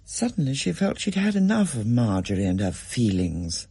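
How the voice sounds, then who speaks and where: A very husky, breathy storyteller reading a thriller aloud, the voice rising and falling expressively. The sound is close and completely dry. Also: medium pitch, big pitch swings, normal speed, mellow, no room sound.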